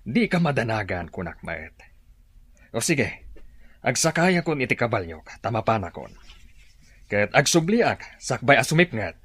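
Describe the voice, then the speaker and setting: An actor playing a steadfast tribal leader and reassuring husband in a radio drama, with a bright, husky voice. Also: male voice, medium pitch, sing-song, unhurried, long pauses, no echo, heavily acted.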